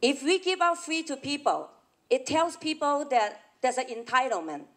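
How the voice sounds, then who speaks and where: A woman's voice: high-pitched, animated, normal speed, a bit bright. A woman who is a long-time local resident and candidate, giving a blunt, plain-spoken debate answer.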